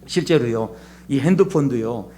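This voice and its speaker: A man's voice: mid-range voice, animated, normal speed, warm tone. A pastor preaching a sermon to a seated congregation in a church. He talks conversationally, asks the listeners rhetorical questions and acts out everyday speakers with changed voices.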